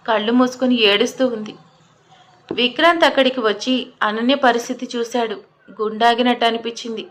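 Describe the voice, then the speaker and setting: Expressive woman narrating an audio story. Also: fairly high pitch. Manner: expressive, voices the characters' lines.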